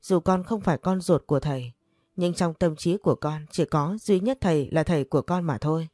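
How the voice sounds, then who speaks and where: A woman's voice: low voice, fairly quick, mellow, no room sound, clean studio sound. A woman narrator voicing a grieving young son who pleads humbly with his father. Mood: sorrowful. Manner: pleading, respectful.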